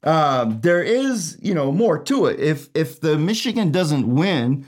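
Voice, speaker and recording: A man's voice: on the high side, big pitch swings, unhurried. A man born in Iraq, a trial attorney, explaining a legal case in casual, rambling talk full of fillers and asides. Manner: chatty, many fillers and asides, laughs at own jokes.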